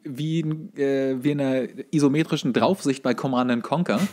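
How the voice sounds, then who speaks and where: A man's voice: mid-range voice, fairly even intonation, moderate pace, a little mellow. A man co-hosting a podcast, telling anecdotes in a colloquial, conversational way. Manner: colloquial storytelling. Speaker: podcast co-host. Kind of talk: casual chat, anecdotes.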